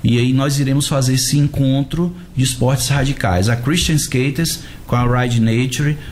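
Bahian brazilian guy chatting in an interview, medium pitch, bit of noise behind him. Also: fairly even intonation, normal speed, a little mellow. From Salvador, Bahia, Brazil. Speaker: guest, pastor and skate ministry leader. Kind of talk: conversational storytelling in a radio interview.

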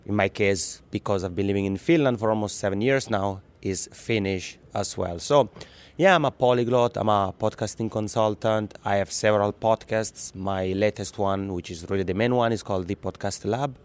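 A man from the Italian-speaking part of Switzerland, Italian native speaker with a Swiss Italian accent, chatting as a podcast guest in a lively way, often restarting words. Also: lowish voice, normal speed, clear, resonant tone. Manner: lively, laughs easily, repeats words when restarting. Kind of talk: casual interview.

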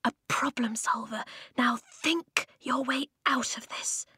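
A woman plays a brave young storybook heroine. The voice is an urgent, raised whisper, insistent and steady, recorded dry. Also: high voice, slow pace, breathy edge, dry recording, pitched above the performer's own voice, full character voice. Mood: urgent, encouraging. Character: brave, urgent young girl leading her friends.

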